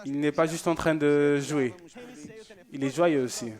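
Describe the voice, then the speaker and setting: A man's voice: a little high, steady tone, a little slow, darkish tone. A man presenting a church show, chatting casually and joking as he reads out viewer messages.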